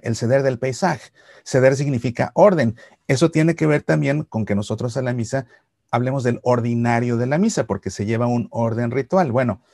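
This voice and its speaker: Man, middle-aged, Catholic YouTuber, patient storyteller, slight fry. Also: mid-range voice, no echo, studio quality. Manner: warm explanatory storytelling, slows for solemn lines. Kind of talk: reflective religious talk to camera. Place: Seattle archdiocese series.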